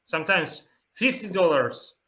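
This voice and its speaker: A young Russian man hosting a casual chat. He speaks halting English with a Russian accent and laughs often. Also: high voice, animated, noisy background. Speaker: host.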